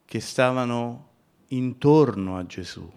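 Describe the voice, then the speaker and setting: A man preaching a sermon, who builds from calm teaching to loud, impassioned shouting as he addresses the congregation as brothers. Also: mid-range voice, slow pace, clear, resonant tone.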